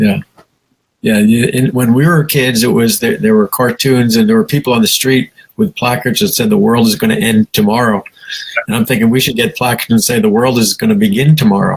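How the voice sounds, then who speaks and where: Medium-pitched male voice at a fairly quick pace, with very wide pitch swings and very even loudness. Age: 60s. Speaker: spiritual teacher and author. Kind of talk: interview.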